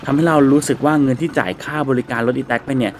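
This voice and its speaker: A young man calmly narrating a scripted travel vlog as the host. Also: mid-range voice, rapid-fire, slight background noise. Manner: calm, descriptive storytelling.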